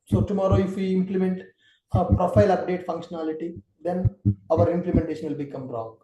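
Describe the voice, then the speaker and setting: A man's voice: high-pitched, steady tone, fairly quick, reverberant, background noise. A man teaching an online class as trainer, explaining patiently and step by step.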